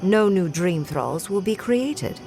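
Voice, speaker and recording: An actress playing a coolly rational scholar in a video game, speaking in a clinical, formal, measured way. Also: female voice, fairly low pitch, expressive, background noise. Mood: clinical, explaining. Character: coolly rational female scholar weighing lives pragmatically.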